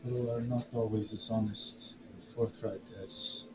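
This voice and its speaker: A man playing a tabletop role-playing game in character, speaking in a formal, measured and cautious way. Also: on the low side, fairly even intonation, recorded from a distance, heavy background noise.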